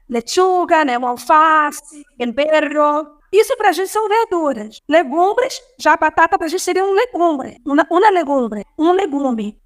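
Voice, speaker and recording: A Brazilian woman with a Brazilian Portuguese accent, a teacher explaining words in a casual online lesson, repeating terms and often adding "né". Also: high voice. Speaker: language teacher.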